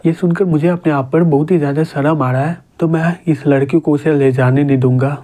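A man narrating a manga story recap in a steady, plain storytelling voice. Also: on the high side, fairly quick.

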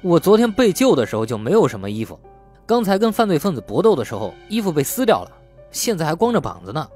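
A man's voice: on the high side, huge pitch swings, fast, darkish tone, slightly rough, faint music behind, pitched above the performer's own voice, full character voice. A man voicing an aggrieved, defiant young man in an audiobook, argumentative and sarcastic. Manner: indignant, argumentative.

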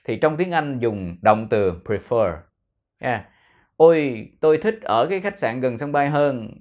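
A man with a Vietnamese accent gives an English pronunciation lesson. He speaks at a middle pitch and sounds out single words again and again as drills, stressing each sound. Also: expressive, a little mellow. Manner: repeats words slowly for drilling.

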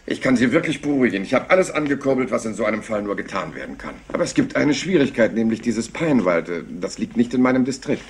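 An actor playing a polite, slyly persistent police inspector in a German crime radio play, hesitant and deceptively casual. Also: male voice, medium pitch, animated, quick pace, few pauses, slightly rough. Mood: reassuring.

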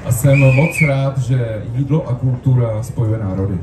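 Guy doing a halting thank you speech outdoors, average pitch, echoey pa. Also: darkish tone. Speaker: festival organiser. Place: open-air covered festival stage. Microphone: stand mic through PA, recorded from audience. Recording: noisy, echoey stage PA from far off.

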